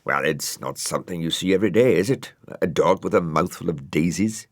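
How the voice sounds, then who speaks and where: A man's voice: deep voice, fairly quick, dry recording, clean studio sound. A man voicing a chirpy, cheeky snail in a storybook reading, chatty and jaunty. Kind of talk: storybook character voice.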